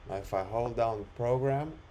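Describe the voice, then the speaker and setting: A man talking through an unscripted screen-recorded software demo, explaining it step by step in an instructional way. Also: medium pitch, moderate pace, slight background noise. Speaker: software demonstrator.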